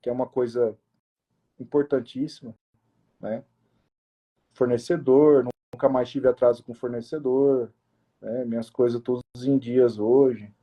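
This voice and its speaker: In dull-sounding audio, the young restaurant owner recounts his story to the interviewer at a measured pace, medium-pitched and steady, pausing often. It comes out casual and emotional, full of restarts and quoted self-talk.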